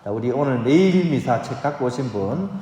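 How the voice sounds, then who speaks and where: Man, priest giving a homily, playful and coaxing, booming church reverb, long hall echo. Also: expressive, normal speed, dark tone. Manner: playful, coaxing the congregation to join in. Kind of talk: Catholic Mass reading and homily. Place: large church.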